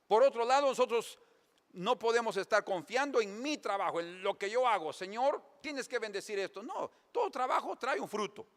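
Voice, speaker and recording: A man preaching a sermon as pastor, telling lively stories in a church. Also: very high-pitched, moderate pace. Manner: lively storytelling preacher, animated. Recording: long church reverb.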